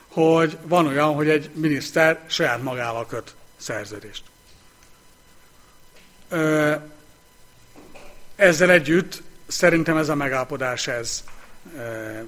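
A man's voice: fairly high pitch, fairly bright tone. Man chairing a council meeting. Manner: brisk procedural, repetitive vote announcements.

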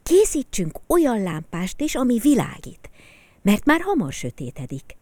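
A woman voicing a lively kindergarten girl in a storybook, chatty and bright. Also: on the high side, no room sound, voice pushed up. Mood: eager.

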